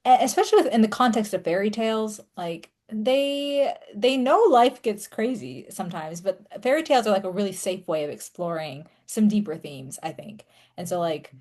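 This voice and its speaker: A woman's voice: mid-range voice, animated, normal speed, a little mellow. A woman hosting a podcast in a casual interview chat, speaking informally with lots of "like". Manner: informal, peppered with "like". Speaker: podcast host.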